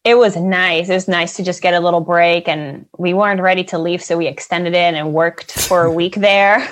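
A young woman from the Netherlands, a financial advisor, chatting casually as a guest with frequent fillers and quick laughs. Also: fairly low pitch, fairly even intonation. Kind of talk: casual interview chat.

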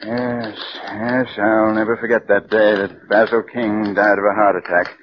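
A man's voice: on the low side, level tone, a little slow, a little hiss or hum, natural voice. An actor playing a genial, sympathetic male factory owner in 1940s radio acting, heard on a dull 1940s radio broadcast. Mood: friendly. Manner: chatty, sympathetic.

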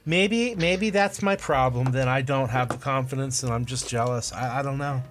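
A man's voice: medium pitch, normal speed, a bit bright, soft background music. A man co-hosting a comedy podcast, chatting casually in a blunt, rambling, self-deprecating way. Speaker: podcast co-host.

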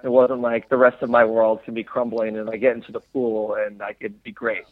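A man from the United States, a former Olympic swimmer, answering interview questions in a reflective, halting way with many fillers. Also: lowish voice, flat delivery, dry recording. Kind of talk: casual interview conversation. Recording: tinny phone-line sound, dry.

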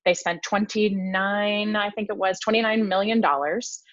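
A woman's voice: medium pitch, steady tone, normal speed, no room sound. A woman from Switzerland, a sales consultant guest on a podcast, talking with energy and emphasis and laughing often. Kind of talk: enthusiastic podcast interview talk. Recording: dull lo-fi dry sound.

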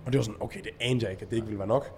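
A man telling stories in a casual podcast chat, animated and acting out shouted quotes. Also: lowish voice, long reverb tail, a little hiss or hum. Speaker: event organizer.

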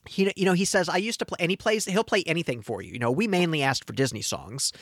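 A man's voice: on the high side, very animated, quick pace, no echo. A man co-hosting a podcast in casual chat, effusive and full of fillers, with dry sarcasm. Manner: effusive, hesitant with many fillers. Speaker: podcast co-host.

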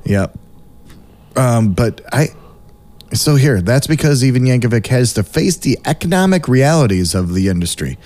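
Mellow-voiced man, rambling. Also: medium pitch, animated. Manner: rambling, halting with many fillers. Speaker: podcast host. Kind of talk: casual podcast chat.

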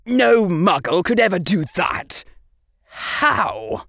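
A man's voice: sits high, expressive, slow pace, gravelly, fairly bright tone, dry recording, clean studio sound, pitched above the performer's own voice, full character voice. Man voicing a shaken aristocratic wizard boy. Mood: awed, shaken. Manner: wavering, whispering in awe.

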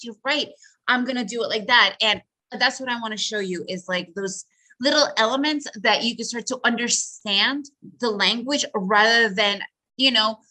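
Bright, upbeat woman presenter. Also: on the high side, poor audio. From Soviet Union. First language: Russian. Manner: upbeat, chatty, addresses viewers by name. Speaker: trading presenter. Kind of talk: live webinar presentation.

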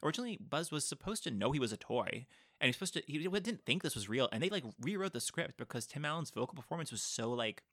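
A man's voice: fairly high pitch, very animated, fast talker, a bit bright, dry recording, studio quality. A man hosting a podcast, chatting casually about film casting, rambling with lots of fillers and restarts. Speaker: podcast host.

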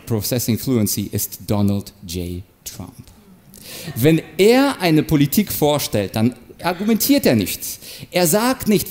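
A man delivering a stage talk with a lively, swinging melody, explaining ideas with animated energy. His pitch sits in an ordinary middle register. He now and then slips into short, playful quoted examples. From Ukraine. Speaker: speaker on manipulation and rhetoric.

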